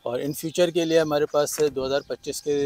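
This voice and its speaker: A middle-aged man, a doctor who owns the farm, calmly answering interview questions outdoors. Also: a little high, moderate pace.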